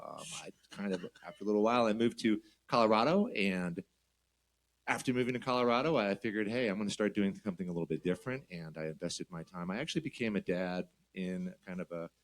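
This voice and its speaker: A man in his fifties, a band member guest, telling a personal story in a thoughtful, reflective way. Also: sits low. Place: live show venue.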